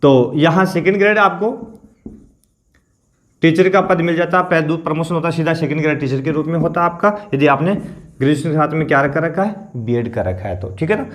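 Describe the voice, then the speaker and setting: A male coaching teacher with a sore throat, clearing his throat as he explains a lesson slowly and repeats the figures. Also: fairly high pitch. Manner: explains slowly, repeats figures, keeps asking "theek hai na".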